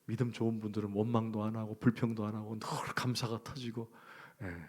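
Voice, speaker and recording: Korean pastor preaching with rising emphasis. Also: male voice, lowish voice, level tone, brisk. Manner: conversational preaching, quizzes the congregation with questions; swings between loud emphasis and hushed near-whisper. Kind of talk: sermon.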